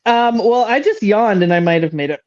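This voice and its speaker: A woman co-hosting a podcast, teasing the others with quick interjections. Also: medium pitch, animated, darkish tone. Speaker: podcast co-host. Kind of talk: casual chat. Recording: dull lo-fi sound.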